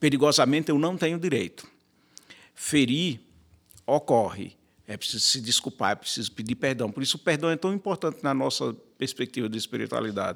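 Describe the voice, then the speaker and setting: Long, frequent pauses, vocal fry and lively intonation. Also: man, medium pitch for a man, fairly quick pace. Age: 60s. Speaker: spirituality expert. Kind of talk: panel discussion.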